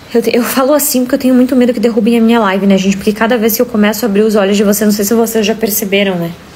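A woman at a very fast pace with hardly any pauses, fairly even intonation and very even loudness. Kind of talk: casual live-stream chat. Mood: serious, occasionally laughing. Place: home room. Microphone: phone near.

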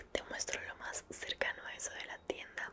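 Noticeable background noise fills the recording. A woman whispers at a fairly slow pace. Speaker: ASMR creator. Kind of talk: ASMR roleplay as a sneaker shop assistant. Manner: soft-spoken, whispered, relaxing.

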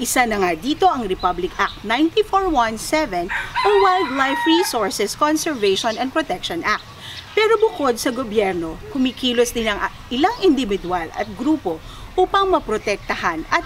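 Loud background noise sits under speech delivered at a moderate pace. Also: woman. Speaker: TV show co-host. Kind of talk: presenter intro narration. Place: forest.

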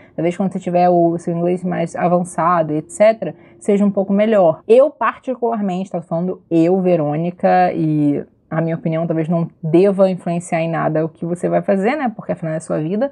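A woman speaks in a dark, mellow tone. She leaves hardly any pauses. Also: fairly low pitch for a woman, ordinary pitch variation, moderate pace, quiet background. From Brazil. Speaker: YouTuber. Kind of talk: casual vlog. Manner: informal. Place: home room. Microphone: lapel.

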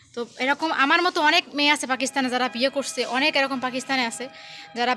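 A woman speaks in a raised, projected voice with a bright, sharp tone and high pitch. Her intonation stays fairly even. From Bangladesh, Dhaka. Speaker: vlogger. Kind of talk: vlog monologue answering viewer comments.

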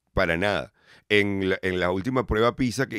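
A man with a Venezuelan accent speaks in an animated tone at a fairly low pitch, his intonation lively, in a dry sound with no echo against a quiet background. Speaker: podcast host; podcast guest or host. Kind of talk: casual chat. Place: studio. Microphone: studio mic.

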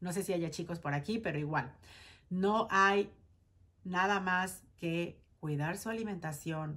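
A woman with a Mexican accent talks at a moderate pace. Her pitch varies in an ordinary way. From Mexico, Veracruz. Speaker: beauty vlogger. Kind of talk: casual vlog monologue. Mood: candid, personal. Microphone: lapel.

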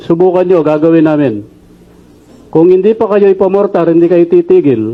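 A man's high-pitched, animated voice with ordinary pitch variation, very even loudness and a moderate pace. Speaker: government or security official speaking to a crowd. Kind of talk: rally speech. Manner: forceful, commanding, challenging; animated, repeating rhetorical questions for emphasis.

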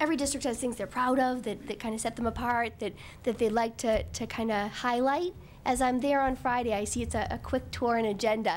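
Over light background noise, a woman with an American accent uses a plain, everyday voice at a fairly quick pace with fairly even intonation. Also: fairly high pitch for a woman. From Massachusetts South Shore; Massachusetts. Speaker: school administrator, superintendent candidate; candidate. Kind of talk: job interview. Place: meeting room. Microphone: podium.

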